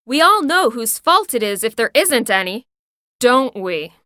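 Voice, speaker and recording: A woman delivers a wry comic monologue in a high, bright voice. She leans on key words with sardonic, theatrical emphasis, recorded close and dry. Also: very animated, measured pace, no echo.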